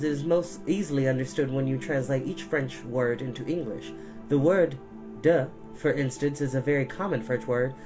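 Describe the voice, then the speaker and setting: A man hosting a storytime, speaking in a reassuring, expressive manner as he reads and chats. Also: medium pitch. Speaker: storytime host and reader. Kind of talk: audiobook-style storybook reading with chatty intro. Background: music.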